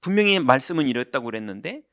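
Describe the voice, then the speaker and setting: Lively Korean pastor telling a story. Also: male voice, mid-range voice, fast, no room sound, studio quality. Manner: animated, acts out quoted voices, shouts punchlines. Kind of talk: sermon with storytelling. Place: church sanctuary.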